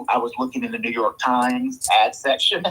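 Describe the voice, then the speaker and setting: A man with a Southern US accent at a fairly slow pace. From US South, Mississippi. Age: 50s. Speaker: tennis club manager. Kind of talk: interview.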